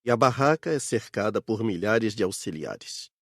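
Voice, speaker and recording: A man's voice: lowish voice, expressive, moderate pace, no echo. Here is a man acting a steadfast spirit worker in an audiobook. The intonation swings widely while staying assured, like someone recounting past events. The recording is very dry. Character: adult male spirit worker defending the book fair, steadfast. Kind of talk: scripted audiobook dialogue.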